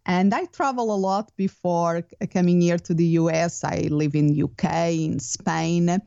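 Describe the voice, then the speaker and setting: A woman's voice: lowish voice, steady tone, unhurried, gravelly, warm tone, smooth, no echo. Portuguese-accented woman, dull remote audio. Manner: thoughtful, with restarts and non-native grammar. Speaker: guest, business coach. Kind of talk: casual interview talk.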